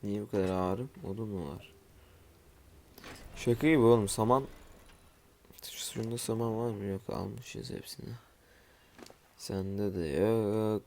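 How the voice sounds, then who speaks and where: A man's voice: on the low side, slow, long pauses, mellow. A man giving casual let's-play commentary at home, just woken up and groggy, muttering to himself while he builds and tossing asides to viewers. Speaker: gamer streaming his play.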